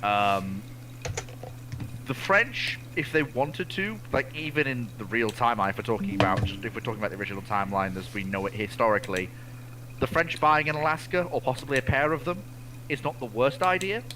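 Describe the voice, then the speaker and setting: A man in a casual history discussion, giving opinions in a halting way and repeating phrases as he reasons. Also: medium pitch, background noise. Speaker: co-host or guest on naval history chat.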